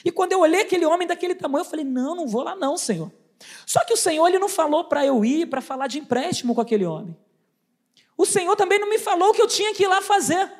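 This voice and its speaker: A woman with a high voice gives an animated church testimony. She acts out every exchange as she tells the story, rushing ahead, then slowing down for effect. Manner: animated storytelling, acts out dialogue, stammering asides. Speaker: lay preacher giving a testimony. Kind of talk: testimony preaching.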